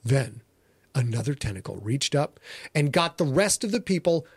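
A man's voice: medium pitch, sing-song, normal speed, slightly rough, dry recording. A man hosting and narrating his own podcast in a playful, theatrical way. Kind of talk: dramatic story reading and casual podcast talk.

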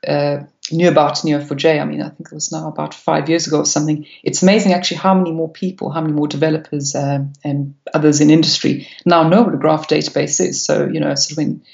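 Hesitant woman guest, gravelly and flat. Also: sits low, quick pace, hardly any pauses. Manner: hesitant, many fillers, enthusiastic. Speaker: podcast guest. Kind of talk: technical interview answers. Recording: echoey room, dull lo-fi sound.

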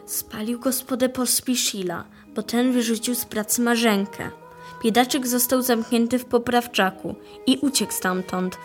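A woman's voice: fairly high pitch, steady tone, a little slow, faint music behind, close to an everyday voice. A young female performer playing an earnest poor child from a mining town in a radio play, reciting plainly. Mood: sorrowful.

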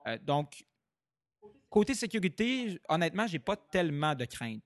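A young man with a Québécois French accent, a journalist guest talking thoughtfully with many pauses and fillers. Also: fairly high pitch, big pitch swings, dry recording. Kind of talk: casual interview conversation.

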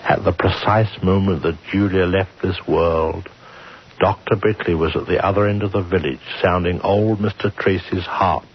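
An actor playing a brooding, sardonic narrator of a murder tale, in theatrical, ominous old radio style. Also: male voice, sits low, steady tone, normal speed, natural voice. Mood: wry. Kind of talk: dramatic scripted radio narration. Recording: hissy, dull vintage radio recording.

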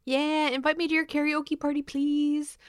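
A woman's voice: sits high, flat delivery, normal speed, no echo, clean studio sound. A woman co-hosting a casual fan podcast, bantering playfully and reading out listener messages in a breezy way. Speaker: podcast co-host.

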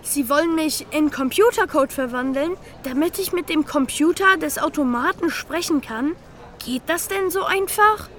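A woman's voice: sits high, normal speed, fairly bright tone, slight background noise. A woman playing a brave, curious, childlike little train in a children's audio drama. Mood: curious, earnest. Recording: music behind the voice.

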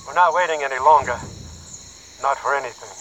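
A man's voice: mid-range voice, brisk, a bit bright, a little hiss or hum, lightly acted, low-quality recording. Man playing impatient, sarcastic expedition member. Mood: impatient, urgent. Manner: sarcastic, urgent. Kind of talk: audio drama acting.

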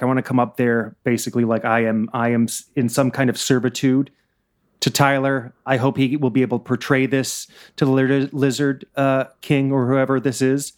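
Male player, plain mid voice, rambling plan talk. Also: mid-range voice. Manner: rambling, plans aloud. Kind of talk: casual tabletop game chat.

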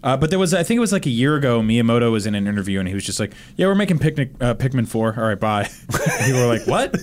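A man chatting casually on a video game podcast in an animated, emphatic way. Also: medium pitch, racing, slight background noise. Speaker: podcast panelist. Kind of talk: casual chat about video games.

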